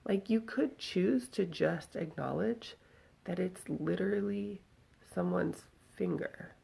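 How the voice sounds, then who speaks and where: A woman's voice: lowish voice, slow pace, mellow. A woman with a scratchy voice telling a story and giving reflective advice casually to followers on a handheld phone. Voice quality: scratchy, husky voice. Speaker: vlogger speaking to followers. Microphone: handheld phone at arm's length.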